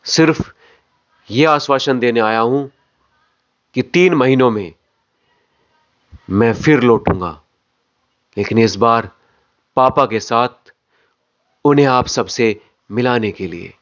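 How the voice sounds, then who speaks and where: A man acting out a factory owner's son who solemnly and confidently addresses his employees in slow, deliberate phrases, as in a film drama. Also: medium pitch, lightly acted. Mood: determined. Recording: dull lo-fi audio.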